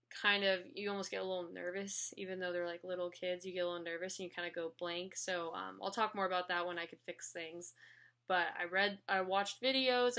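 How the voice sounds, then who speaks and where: Bright-voiced young woman, chatty and informal. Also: on the low side. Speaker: student teacher. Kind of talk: casual spoken reflection.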